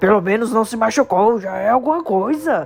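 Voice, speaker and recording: A put-on character voice at a fairly high pitch and moderate pace, with clear music in the background. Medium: read story. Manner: warm, hearty.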